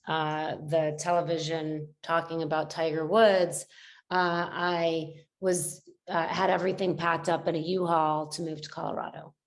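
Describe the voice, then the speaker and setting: A middle-aged woman talking as a podcast guest, reflective and rambling, with many fillers and restarts. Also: lowish voice. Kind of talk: casual conversational interview.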